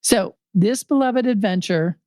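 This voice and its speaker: A woman co-hosting a podcast in casual chat, her voice slightly raspy, earnest and quick to laugh. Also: medium pitch, warm tone, no room sound, studio quality. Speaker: podcast co-host.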